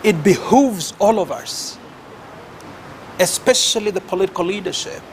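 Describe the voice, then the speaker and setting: Kenyan male guest expert, high voice, measured and formal delivery. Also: expressive, slight background noise. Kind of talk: studio talk show discussion.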